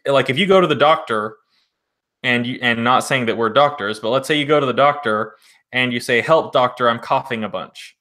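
A man's voice: mid-range voice, a bit bright. A man who co-hosts as a vocal coach, explaining patiently with everyday examples in casual chat.

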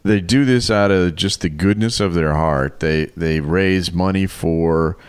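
Podcast co-host, middle-aged man, low voice, dry studio sound, chatty and laughing. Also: a little slow, clear, resonant tone, dry recording. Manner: laughs often, chatty storyteller. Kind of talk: casual chat.

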